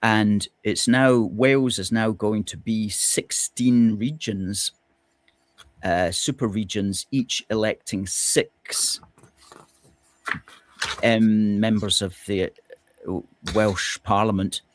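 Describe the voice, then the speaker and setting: A man conducting a political interview, speaking in a measured way with frequent fillers and pauses. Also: on the low side, steady tone, dry recording.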